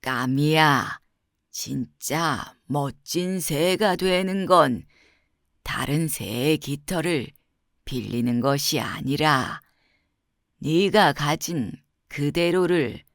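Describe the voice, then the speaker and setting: A woman voicing a gentle, wise old grandfather owl in a soft, tender, slow storybook voice. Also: dry recording, clean studio sound. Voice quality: soft, low voice.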